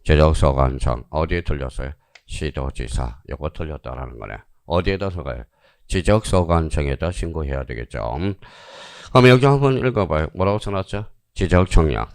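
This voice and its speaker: A low-voiced man gives an online exam-prep lecture in a dry, close recording. His pitch swings widely as he fires quick questions at his students and answers them himself. He repeats key phrases to drive them home. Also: lively intonation, a little mellow, no room sound.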